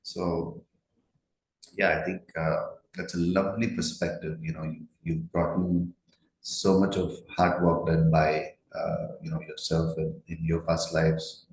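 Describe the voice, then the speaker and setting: A man with an Indian accent hosting a conversational interview in a halting, reflective way. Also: deep voice, flat delivery, a little mellow. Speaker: podcast host, interviewer. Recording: echoey room.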